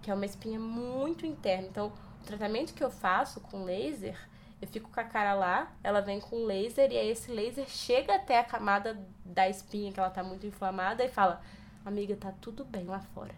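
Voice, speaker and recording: Against a silent background in a very clean recording, a woman with an unremarkable speaking voice and medium pitch talks at a fairly quick pace. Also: ordinary pitch variation. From Brazil, interior. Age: 20s. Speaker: podcast host. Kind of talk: casual chat.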